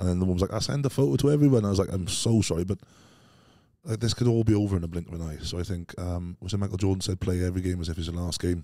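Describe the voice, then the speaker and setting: Speech comes very fast in a Welsh accent, with a dark, mellow tone and ordinary pitch variation. The sound is dry with no echo over a quiet background. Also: man. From Wales. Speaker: strongman athlete; podcast guest. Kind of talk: casual interview. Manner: talkative. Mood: earnest, reflective. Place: studio. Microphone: studio mic.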